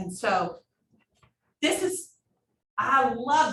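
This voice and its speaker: The tone is animated. Pitch swings are very wide. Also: woman. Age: 60s. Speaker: real estate coach and author. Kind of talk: training talk.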